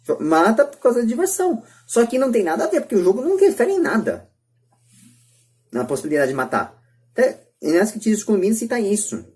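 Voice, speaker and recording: A woman's voice: medium pitch, sing-song, quick pace, darkish tone. A Brazilian woman giving her opinions in a podcast discussion, emphatic and repeating her points. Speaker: podcast speaker.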